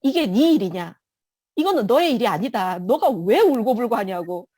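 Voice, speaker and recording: A woman's voice: a little high, big pitch swings, moderate pace, darkish tone, slightly rough, no echo, clean studio sound. A woman voicing the Lord as a stern, rebuking divine voice in a church testimony. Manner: rebuking, then reassuring.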